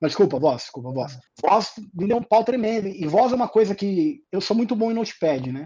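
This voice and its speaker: Fairly quick speech in a dark, mellow tone, with very wide pitch swings and hardly any pauses. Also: man, high pitch for a man. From São Paulo state, Brazil. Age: 40s. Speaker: network engineer. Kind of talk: casual interview.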